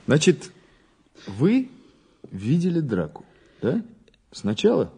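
A man's voice: on the high side, wildly swooping pitch, takes it slowly, vocal fry, dark tone, slightly rough, full character voice. An actor in an audio drama playing a dogged, sceptical police investigator who questions insistently and repeats his words. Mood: polite, businesslike.

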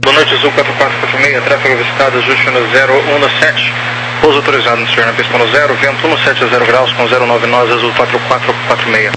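Crackly radio voice, flat-toned Brazilian man. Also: medium pitch, quick pace. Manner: clipped formal readbacks and instructions. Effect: crackly radio transmission. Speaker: air traffic controller. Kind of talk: procedural aviation radio communication. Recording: crackly radio with hum and static.

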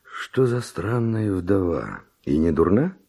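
Brazen spanish nobleman seducer in a radio verse play, super low raspy voice, takes his time. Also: big pitch swings, slow pace, mellow, exaggerated voice. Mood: curious, brusque. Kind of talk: classic verse radio drama acting.

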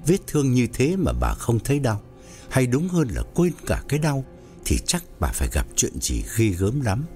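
A man narrating an audio story in a dramatic, expressive way. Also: mid-range voice, moderate pace, faint music behind.

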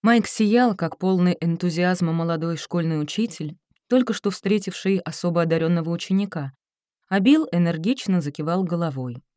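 A woman's voice: fairly low pitch, lively intonation, moderate pace, a little mellow, dry recording, clean studio sound. A woman reading a novel aloud as an audiobook narrator, voicing the characters' dialogue herself. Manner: reads all characters' dialogue herself with small shifts. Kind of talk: scripted narration.

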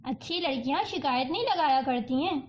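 A woman's voice: high-pitched, expressive. A woman voicing a sulky, coaxing little girl in a storybook reading, with a whiny pleading tone. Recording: dull lo-fi audiobook recording.

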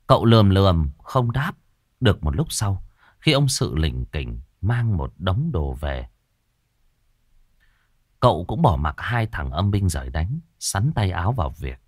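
A man narrating a ghost story in an expressive, lively storytelling manner. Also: deep voice, measured pace, no echo, clean studio sound.

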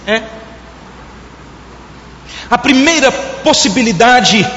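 A pastor with a very high, bright, forceful voice preaches a sermon, telling a story and addressing the congregation directly. The recording sounds dull and lo-fi, with hall echo and slight background noise.

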